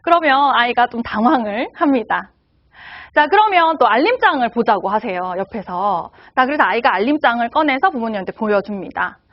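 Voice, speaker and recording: Lively woman lecturing parents. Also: fairly high pitch, fairly quick, dull audio. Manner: lively, poses rhetorical questions to the audience.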